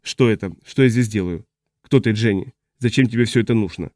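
A man reading the part of a confused, agitated man who has lost his memory, in a fretful, halting way. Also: on the low side, mellow, no echo, studio quality, lightly acted. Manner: fretful, halting, trailing off mid-sentence. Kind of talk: audiobook character reading.

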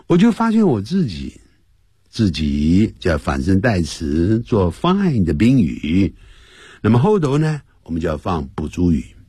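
A man teaching English on a radio lesson. He explains in Chinese and repeats the English phrases slowly, in a playful manner. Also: low-pitched, wildly swooping pitch, warm tone, husky, dry recording, clean studio sound. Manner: playful, mimics sounds. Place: radio studio.

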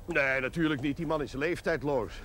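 An actor playing a dry, companionable Catholic parish priest in a naturalistic television drama. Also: male voice, on the high side, normal speed, a bit bright, close to an everyday voice. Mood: dry, amiable. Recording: noisy old television soundtrack.

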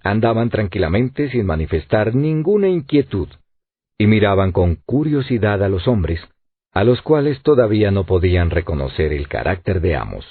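A man narrating an audiobook in an expressive, lively reading, with narrow phone-like sound. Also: on the low side, moderate pace, husky, no echo. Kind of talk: scripted narration.

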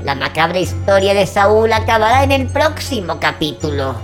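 Woman voicing Tío Creepy, grandiloquent old horror host, animated. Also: mid-range voice, moderate pace, soft background music, close to an everyday voice. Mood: sly, ominous. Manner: grandiloquent, mock-grumbling, addressing listeners as creatures. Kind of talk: theatrical horror anthology hosting.

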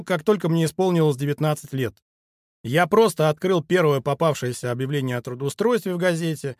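Brief: male author in his forties, reading his own book aloud, earnest and steady, voice a shade high, dry close sound. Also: dry recording. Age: 40s. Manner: measured, earnest, addresses listener directly. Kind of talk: audiobook narration.

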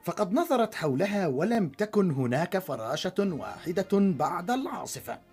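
A woman narrating a storybook drama with an expressive, measured delivery. Her voice is fairly low for a woman but ranges widely in pitch, over soft background music. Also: slightly rough.

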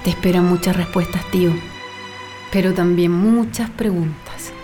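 A young woman acting in a radio drama as a daughter fondly remembering her folk-singer father, speaking in a gentle, reflective way. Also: on the low side, steady tone, moderate pace, close to an everyday voice. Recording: music playing under the voice. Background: music.

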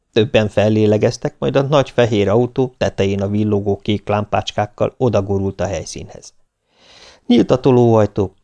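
A man narrating an audiobook in a calm, even storytelling manner. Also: on the low side. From Hungary. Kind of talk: scripted narration.

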